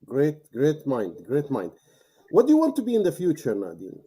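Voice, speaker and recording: A man interviewing a guest, encouraging and a little halting in English. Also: a little high, wildly swooping pitch, dark tone, slightly rough. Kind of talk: interview questions.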